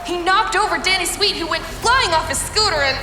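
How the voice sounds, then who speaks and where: An actress playing an excitable, wry female race announcer calling play-by-play in a scripted audio drama. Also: extremely high pitch, a little fast. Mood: tense excitement. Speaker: race commentator. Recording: echoey, loud music bed.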